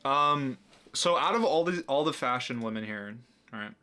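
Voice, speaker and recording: Young guy reacting to a dating show clip, bright voice, keeps laughing n mocking. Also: mid-range voice, lively intonation, normal speed, smooth. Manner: laughing, incredulous, mocking asides. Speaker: reaction video host. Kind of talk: casual reaction commentary.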